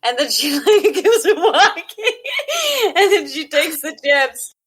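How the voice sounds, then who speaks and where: A woman's voice: high voice, expressive, takes it slowly, a bit bright. A woman playing a tabletop game, chatting casually and improvising what her character does.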